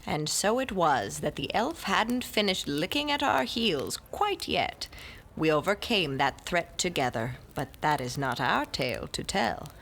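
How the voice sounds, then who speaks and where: Woman doing a stern old storyteller in a radio drama, low voice, slow and solemn, faint ambience behind. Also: sing-song, gravelly, a bit bright, slight background noise, exaggerated voice. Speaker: narrator and ritual leader. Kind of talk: audio drama acting.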